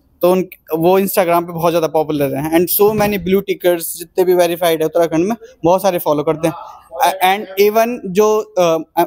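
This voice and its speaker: Music plays in the background as a man with a high voice speaks at a moderate pace. The sound is dry and close with no echo, and his intonation is fairly even. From Uttarakhand, Pauri Garhwal. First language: Garhwali (speaking Hindi). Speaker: regional-language vlogger. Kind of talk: travel vlog in Hindi and Garhwali. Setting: university campus event.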